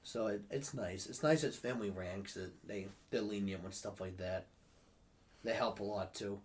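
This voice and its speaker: A man's voice: lowish voice, moderate pace. A man in his late twenties, stuffed up from a cold, chatting casually as an interview guest, laughing often and swearing freely. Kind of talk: casual chat.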